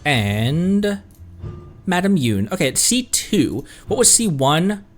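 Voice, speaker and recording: A man's voice: a little high, very animated, slow pace, faint music behind. A man chatting casually on a live game stream, thanking viewers and laughing often.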